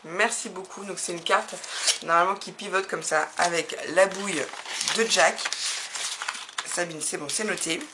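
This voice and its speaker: A woman's voice: on the low side, normal speed. A woman from France chatting casually as she opens fan mail for her craft videos, laughing often and gushing with enthusiasm. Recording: audible background noise.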